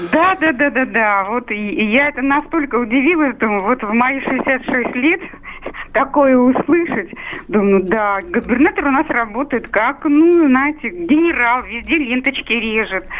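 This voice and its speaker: A woman's high-pitched voice at a fairly slow pace, with lively intonation and noticeable background noise. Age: 60s. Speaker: caller. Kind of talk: phone-in complaint. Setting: phone call.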